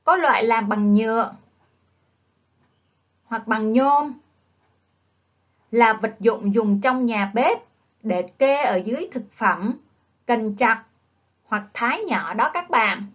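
In a slow, drawn-out phonics lesson for young children, a Southern Vietnamese-accented primary school teacher patiently drills the class, coaxing them to repeat after her. Her voice is fairly high with lively intonation, and she speaks very slowly. The recording is dull, lo-fi classroom video audio.

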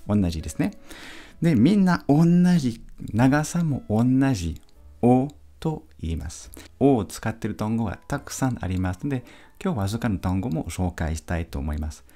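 A male teacher giving a patient pronunciation lesson, repeating each sound slowly for practice. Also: on the low side, sing-song, warm tone, soft background music. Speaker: French teacher.

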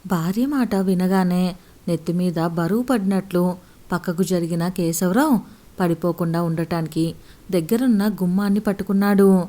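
A woman storyteller reading a scripted story in a steady, expressive way. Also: fairly low pitch, normal speed.

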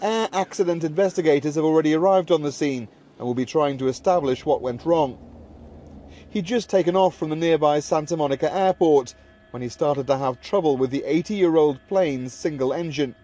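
A man's voice: on the high side, fairly quick, mellow, slight background noise. A man narrating a scripted television news report as the reporter.

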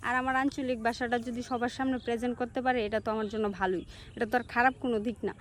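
A woman's voice: fairly high pitch, fairly even intonation, rapid-fire, a little hiss or hum. A young woman from Netrokona, Bangladesh, with a Netrokona Bengali accent, talking earnestly and reflectively to camera in a personal vlog. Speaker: social media creator.

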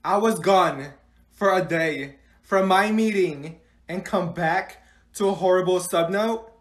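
Man as a fed-up teacher, stern, commanding, slightly raised male pitch, school comedy skit. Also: slow, echoey room. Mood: disappointed.

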